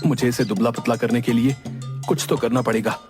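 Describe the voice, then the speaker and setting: A man's voice: mid-range voice, steady tone, fairly quick, natural voice. A man voicing an exasperated young husband in a cartoon story, fretful and complaining. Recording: loud background music.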